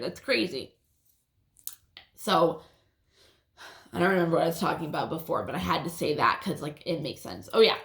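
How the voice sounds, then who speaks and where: Gravelly woman with a lisp. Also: fairly low pitch. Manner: casual, swears often, restarts sentences. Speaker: vlogger. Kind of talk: rambling personal storytelling. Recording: roomy echo.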